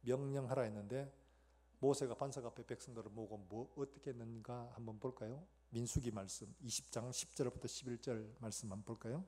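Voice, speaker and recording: A man's voice: medium pitch, steady tone, a little fast, warm tone, husky. A man preaching a sermon as pastor, with a Gyeongsang accent, who asks the congregation questions and acts out scenes.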